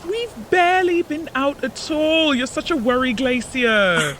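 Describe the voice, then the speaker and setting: An actor playing a breezy, chatty palace servant in an audio drama. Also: male voice, very high voice, expressive, a little slow, background noise.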